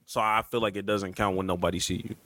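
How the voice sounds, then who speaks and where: A man's voice: low voice, fairly even intonation, quick pace, bright, forceful tone, no echo, studio quality. A young man hosting a podcast, chatting casually and laughing often as he tells stories. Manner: laughs a lot, loose and playful. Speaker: podcast host. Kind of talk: casual chat.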